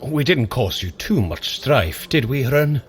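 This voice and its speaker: An actor playing a blustering, hearty god of thunder in an audio drama, excitable and declamatory. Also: male voice, medium pitch, unhurried, close to an everyday voice. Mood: cheeky. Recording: clear background noise under the voice.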